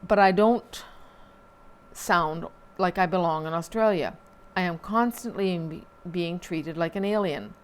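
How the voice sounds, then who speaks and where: A woman reading local newspaper items aloud at a measured pace, with small slips and dry asides. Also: lowish voice.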